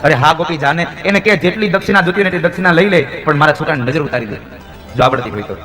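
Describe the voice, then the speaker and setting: A man's voice: a little high, very fast, sharp tone. A male storyteller voicing an anxious, loving mother who fusses emphatically over her crying baby. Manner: fretful, emphatic.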